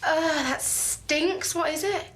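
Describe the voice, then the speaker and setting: An actress playing a reluctant, cheeky junior colleague in a TV drama, drawling and indignant. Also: female voice, very high voice, slow pace, fairly bright tone, heavily acted. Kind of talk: naturalistic TV drama acting.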